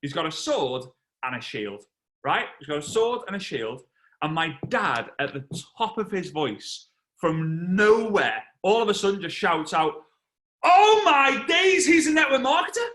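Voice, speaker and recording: English man, 30s, bright tone, slightly high voice, animated storytelling, video call. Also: a little slow. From England. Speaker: network marketing trainer.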